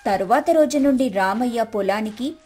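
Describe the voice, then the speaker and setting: High voiced lady narrating a moral story, bit of music behind. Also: normal speed, mellow, husky.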